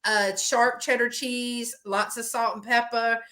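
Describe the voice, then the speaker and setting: Bright-voiced Texan woman hosting. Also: a little high, level tone. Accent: Texas. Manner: chatty, lists things off quickly. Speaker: host of a live chat. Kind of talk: casual group chat, reading viewer comments aloud.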